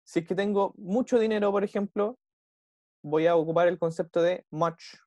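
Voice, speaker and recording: A man's voice: high voice, normal speed, darkish tone, dry recording. A young man with a Chilean accent teaching an online English class, explaining step by step and checking in with the students after almost every phrase. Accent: Chilean Spanish.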